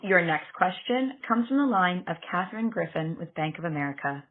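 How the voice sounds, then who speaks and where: A woman's voice: lowish voice, animated, brisk. A woman working as a conference call operator, making formal, scripted announcements. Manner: formal, procedural. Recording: narrow phone-line sound.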